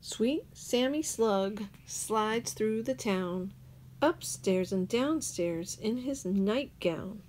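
A woman teacher reading a children's picture book aloud, slowly and clearly, with sing-song rhymes. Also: on the high side, expressive, darkish tone, slight background noise.

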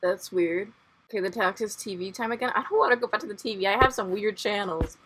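A woman's voice: mid-range voice, quick pace, fairly bright tone, a little hiss or hum, poor audio. A young woman on a headset mic, playing a horror game and commenting nervously, laughing and asking questions. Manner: nervous, giggly, full of questions. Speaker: gaming streamer.

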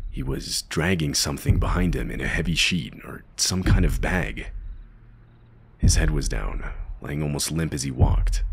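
Male narrator for horror stories, very low gravelly voice, grave and unhurried, faint music under. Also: background noise. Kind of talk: scripted narration.

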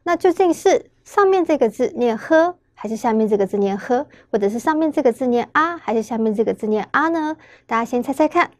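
Woman, Taiwanese Mandarin accent, language teacher, patient question-and-answer delivery, fairly high voice, dry close sound. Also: expressive, brisk, dry recording. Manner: patient, asks questions then answers them. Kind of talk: step-by-step pronunciation lesson.

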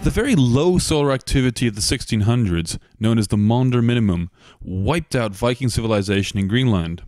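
A man reading a scripted documentary narration in a measured, argumentative way, posing rhetorical questions. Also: mid-range voice, animated, darkish tone, soft background music.

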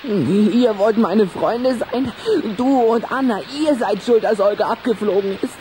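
A man's voice: high-pitched, unhurried, a little mellow, a little hiss or hum. A man playing a lovesick, hot-tempered boy vampire in a children's radio play, theatrical and given to sighs and stammers. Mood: indignant, upset.

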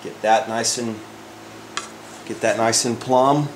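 Speaking slowly with a medium-pitched, steady voice, an older woodworking instructor thinks aloud while demonstrating a project in his shop, often restarting what he says. It's a casual workshop demo, captured in a rough recording with slight background noise.

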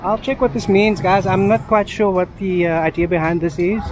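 A man's voice: sits high, steady tone, normal speed. A man casually talking to his viewers as he films a walking tour through city streets on an action camera. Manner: chatty, talks to viewers as guys. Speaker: travel vlogger. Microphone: action camera mic while walking. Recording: loud outdoor street noise. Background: loud street traffic.

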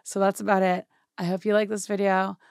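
A young woman with a hoarse, worn-out voice, chatting through a software tutorial in a home studio and often checking in with "right?". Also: mid-range voice, level tone, fairly quick, no room sound. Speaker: music production tutorial host. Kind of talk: casual screen-share software tutorial.

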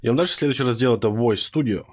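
A man narrating a scripted software tutorial as presenter, with a slightly husky voice. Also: medium pitch, very fast.

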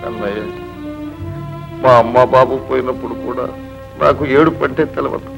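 A man's voice: medium pitch, moderate pace, gravelly, over music, close to an everyday voice. An actor playing a poor, middle-aged village uncle who mourns his sister in a heavy, lamenting way. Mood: grieving. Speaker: grieving uncle. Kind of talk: 1970s Telugu film acting. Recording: dull old film soundtrack.

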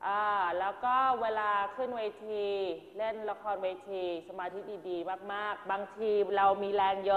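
A woman coaching a drama class, giving direct, corrective notes to her students one after another. Her voice rings out in a large hall with a long tail of reverb. The sound is somewhat dull and muffled. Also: mid-range voice. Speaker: acting teacher.

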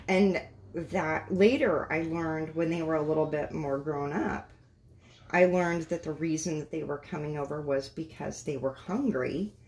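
Slow-talking middle-aged woman hosting. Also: sits low, a little mellow. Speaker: host. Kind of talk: casual interview chat.

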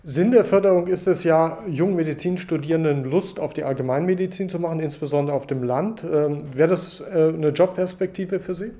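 A man's voice: fairly high pitch, a little fast, hardly any pauses, mellow. A man interviewing two medical students with formal, polite questions.

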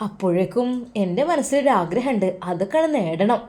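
A woman voicing a warm older Arab lady who speaks slowly and affectionately, full of blessings. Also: medium pitch, lively intonation, close to an everyday voice. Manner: slow, affectionate, fond of blessings.

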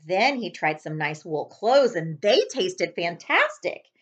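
A woman, reading a storybook aloud to children with expressive, dramatic delivery. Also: on the low side, slow pace, husky. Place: living room, on a couch. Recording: slightly dull webcam audio.

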